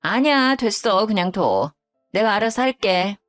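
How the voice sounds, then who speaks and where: A woman's voice: on the high side, very animated, normal speed, fairly bright tone, faint music behind. A woman voicing a curt, self-pitying widowed older mother-in-law who grumbles bluntly.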